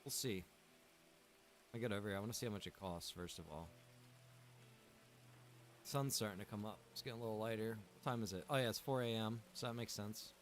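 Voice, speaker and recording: A man's voice: lowish voice, brisk, long pauses, slight background noise. A man livestreaming from a room at home, chatting casually with his viewers in a rambling way full of "like" and "man". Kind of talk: casual chat with stream viewers.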